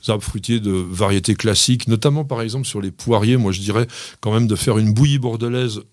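A man's voice: fairly low pitch, brisk, darkish tone, no echo, clean studio sound. A man hosting a gardening radio show, explaining plant care to listeners in an instructive way. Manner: didactic, addressing listeners directly. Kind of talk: radio gardening advice chat.

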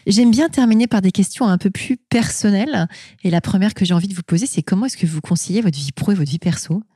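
A woman's voice: medium pitch, fast talker, dark tone, husky, dry recording, studio quality. A woman interviews conversationally through a face mask, sounding engaged with the person she questions. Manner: engaged, summarising and affirming answers. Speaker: interviewer, host.

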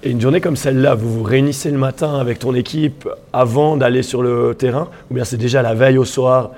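A man's voice: medium pitch, fairly even intonation, fairly quick. A man hosting a podcast, reading a scripted introduction and then interviewing a guest in a friendly way, his voice a little worn. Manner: warm welcoming narration, then friendly questions. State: slightly lost voice. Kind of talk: scripted narration and casual interview.

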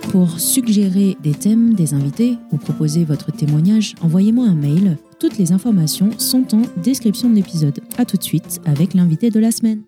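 A woman podcast host reading a scripted, measured introduction. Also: mid-range voice, expressive. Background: soft guitar music.

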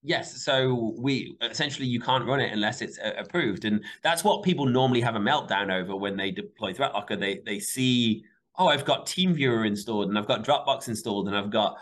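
A man with a Michigan accent, a company CEO answering interview questions in an animated way. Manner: animated, quick pitch jumps when stressing points. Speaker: CEO and guest.

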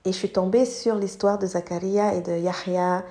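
A middle-aged woman from Côte d'Ivoire, a native English speaker, hosting a podcast and telling her life story thoughtfully, pausing to search for words and dropping in English ones. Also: mid-range voice, steady tone, warm tone. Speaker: podcast host. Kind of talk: personal storytelling monologue.

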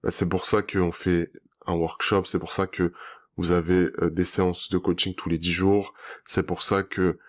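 A man hosts a coaching podcast, cheering on his guest and listeners with steady encouragement. His voice is very deep, and he speaks in an even, supportive way that affirms what he hears. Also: moderate pace. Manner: encouraging and affirming, many back-channel hums. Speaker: relationship coach and podcast host. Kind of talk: podcast interview and outro.

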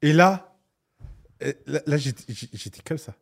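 Animated, swearing male storyteller. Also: on the high side, measured pace, gravelly. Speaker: podcast co-host. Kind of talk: casual podcast chat.

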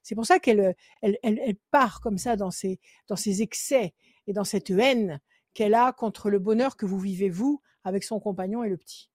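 A woman psychic takes a caller through a card reading. She presses the same advice over and over in a steady, mid-pitched voice. She sits close to a dry studio mic with no room sound. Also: moderate pace, dry recording. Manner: insistent, repetitive advice, counts cards under her breath. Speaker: psychic on a call-in show. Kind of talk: phone consultation with card reading.

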